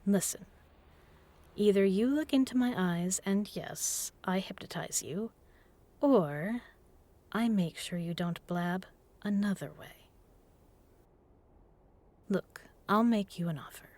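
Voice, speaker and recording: Slow, whispery seductive vampire woman, acted out by a woman. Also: medium pitch, mellow. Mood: coaxing, threatening. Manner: teasing, purring, deliberate, often dropping to a whisper. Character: seductive, menacing female vampire predator toying with prey. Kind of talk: intimate hypnotic audio roleplay, slow and breathy.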